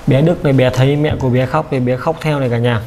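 A gravelly-voiced man talks gently and a little hesitantly, often repeating his words. He interviews a family as a vlogger and speaks to his viewers at home. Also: medium pitch, steady tone, fast, a little hiss or hum.

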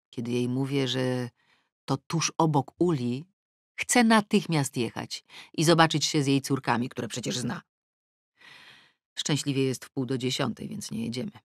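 A middle-aged woman reading a first-person novel aloud in a studio, with lively, ironic storytelling. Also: very deep voice, dry recording. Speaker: audiobook narrator. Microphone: close studio mic.

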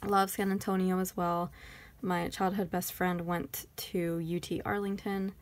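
A woman's voice: lowish voice, level tone, measured pace. A woman with a Texan accent chatting casually through a planner sticker haul, rambling and thinking aloud. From Texas. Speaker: planner vlogger.

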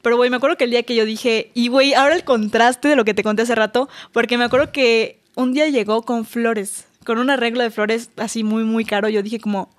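Fast-talking young Mexican woman. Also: on the high side, fairly even intonation. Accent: Mexican Spanish. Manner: chatty, storytelling, fillers like "güey" and "¿sabes?". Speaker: guest. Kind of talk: casual chat.

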